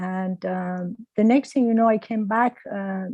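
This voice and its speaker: Against a quiet background, a woman's dark, mellow voice sits at medium pitch with fairly even intonation, the sound dry and close with no echo. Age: 60s. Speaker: workshop attendee. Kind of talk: personal story sharing. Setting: video call. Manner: halting.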